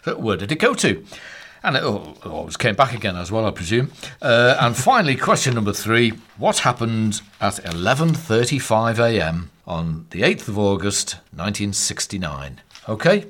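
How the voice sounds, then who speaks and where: A man's voice: on the low side, very animated, moderate pace, a bit bright. A man with a Liverpool Scouse accent, co-hosting a podcast and reading out quiz questions in a casual chat. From Liverpool, England. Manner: chatty, says "aye" often. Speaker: podcast co-host.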